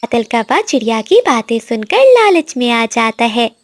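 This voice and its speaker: A woman narrating a cartoon story in a slow, moral-telling storyteller manner. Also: on the high side, very animated, no echo.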